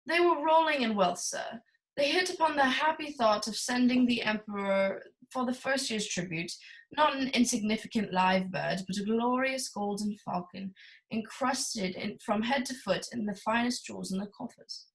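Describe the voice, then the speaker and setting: A woman's voice: fairly high pitch, normal speed, natural voice, rough recording. A woman playing a courtly, greedy and obsessive middle-aged crime boss in a noir radio play, speaking in a formal, grandiose way. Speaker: voice actor. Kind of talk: 1940s film noir radio acting.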